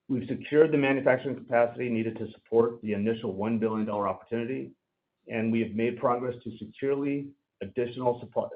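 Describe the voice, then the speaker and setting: A man giving a formal, measured, scripted financial presentation as a company executive on a conference call. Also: fairly low pitch. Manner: formal, measured delivery of prepared remarks. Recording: narrow tinny phone-line sound.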